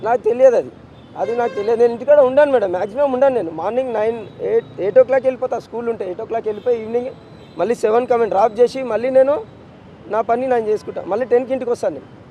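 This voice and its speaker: A man's voice: extremely high pitch, rapid-fire, dark tone, highs cut off, slight background noise. Anguished father with a Telangana accent. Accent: Telangana Telugu. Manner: anguished, insistent, repeats demands for justice. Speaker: bereaved father being interviewed. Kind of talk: street news interview. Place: outdoors on a city street.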